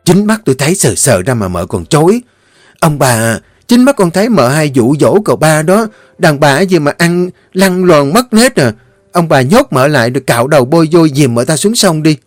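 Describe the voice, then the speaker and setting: A man voicing a scheming young female servant in a story, with a shrill, whiny voice. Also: big pitch swings, moderate pace, no echo, studio quality, soft background music. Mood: accusing. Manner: loud accusing wails.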